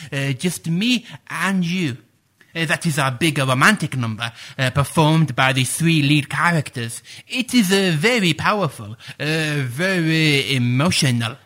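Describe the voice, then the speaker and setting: A man's voice: on the high side, pushed and bright. A man playing a stammering pompous playwright. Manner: hesitant, full of "uh"s, stammers, grandiose phrasing. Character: pompous male playwright guest, flustered and stammering. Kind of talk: comedy radio sketch.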